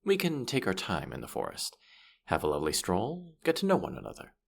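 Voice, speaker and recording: A man's voice: on the low side, huge pitch swings, fairly quick, gravelly, slightly rough, exaggerated voice. A man playing a playful, boastful spirit guide of the afterlife in a fantasy audio roleplay, with teasing, theatrical, mock-sympathetic delivery. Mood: smug, playful.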